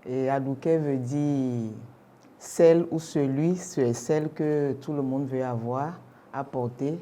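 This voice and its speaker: A young adult woman whose first language is Yoruba speaks slowly, with a warm, mellow tone. She explains her views carefully, posing rhetorical questions as an interview guest. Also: extremely low pitch, fairly even intonation. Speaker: orientation specialist guest. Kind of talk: formal radio interview answers.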